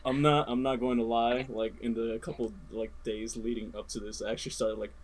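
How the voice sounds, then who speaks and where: A woman's voice: a bass voice, level tone, fairly quick, darkish tone. A woman bantering casually as a contestant in a group trivia game. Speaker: podcast cast member, quiz contestant. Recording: clear background noise and clicks.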